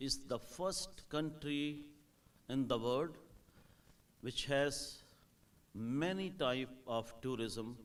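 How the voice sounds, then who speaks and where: A man with a Pakistani accent, a native Urdu speaker, giving a public presentation as a tourism coordinator in halting, emphatic phrases. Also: mid-range voice. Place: hotel event hall.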